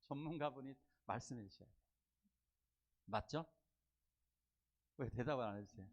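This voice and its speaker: A man's voice: mid-range voice, normal speed. A man preaching a Sunday sermon as pastor, acting out quoted remarks and questioning his congregation. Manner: animated, acts out quoted voices, asks the congregation questions. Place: church sanctuary.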